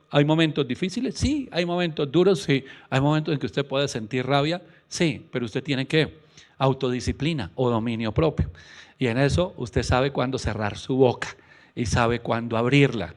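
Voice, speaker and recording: A middle-aged man with a Colombian accent, a pastor preaching a sermon on the radio, asking questions and acting out what people say. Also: mid-range voice. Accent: Colombian Spanish. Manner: preaching with rhetorical questions and acted-out quotes.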